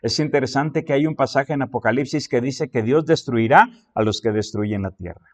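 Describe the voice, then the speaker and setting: A man's voice: medium pitch, normal speed. Male pastor preaching with rising emphasis. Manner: expository preaching, reads scripture aloud with rising emphasis; counts points and repeats phrases for emphasis. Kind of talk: sermon.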